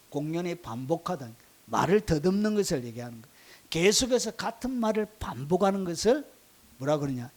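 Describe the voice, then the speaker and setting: A male pastor preaching a sermon, asking the congregation questions and acting out voices and sounds to make his points. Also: high-pitched. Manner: mimics voices and frog croaks for effect.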